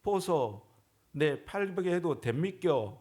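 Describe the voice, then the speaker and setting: A Gyeongsang wife, as a male preacher puts her on draws out her questions slowly in a raised voice. She calls to her husband in broad dialect. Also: on the high side, animated, darkish tone, voice pushed up. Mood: coaxing. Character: plain-spoken Gyeongsang wife.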